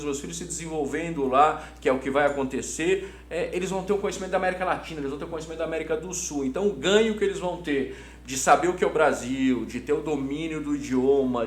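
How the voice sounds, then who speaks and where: Higher-voiced Brazilian man in a roomy, humming space. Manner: enthusiastic, emphatic, repeats words. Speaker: interview guest, hotel business executive. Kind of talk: conversational interview answer. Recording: roomy echo, audible background hum.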